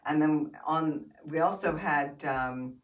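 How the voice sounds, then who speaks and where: A woman's voice: deep voice, slow, distant mic. A woman, an actress and acting coach, talking frankly and expressively as a guest in a casual studio interview. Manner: talkative, frank, expressive storyteller. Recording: roomy studio sound, off-mic.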